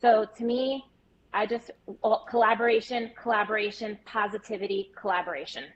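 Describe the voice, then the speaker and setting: A woman's voice: mid-range voice, fairly even intonation, brisk. A woman guest on a live panel, speaking emphatically and repeating her key points. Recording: lo-fi remote call with faint noise.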